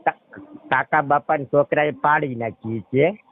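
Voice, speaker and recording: A man's voice: on the high side, measured pace, no room sound. Gujarati man on a tinny phone line. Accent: Saurashtra Gujarati. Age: middle-aged. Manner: repeatedly checks the listener understands. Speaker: caller. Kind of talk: rambling personal account on a phone call. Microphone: telephone. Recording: tinny narrowband phone call recording.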